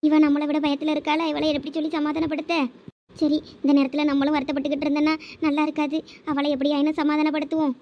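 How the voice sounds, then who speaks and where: A woman voices a kindly, fretful mother-in-law in a cartoon, soothing and coaxing in a Thoothukudi Tamil accent and pitching a little lower than her other voices. The delivery is flat and quick, and the recording has its highs cut off with a little hiss or hum.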